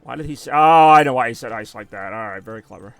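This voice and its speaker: A man's voice: mid-range voice, fast, clear, resonant tone, no echo, faint music behind. An American man chatting casually and rambling while streaming a video game, often correcting himself and reacting to his deaths in the game. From United States. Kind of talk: casual gameplay chat.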